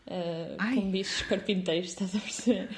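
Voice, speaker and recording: A woman speaks at a medium pitch and a moderate pace. Her tone is dark, mellow and somewhat breathy, with fairly even intonation. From Portugal, Braga. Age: 20s. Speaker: fashion designer working in textiles. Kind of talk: casual chat.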